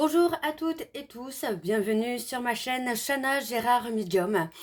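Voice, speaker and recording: Her voice high and her intonation lively, a woman speaks. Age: 30s. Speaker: medium and tarot reader. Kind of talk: personal talk to camera. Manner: halting, many hesitations.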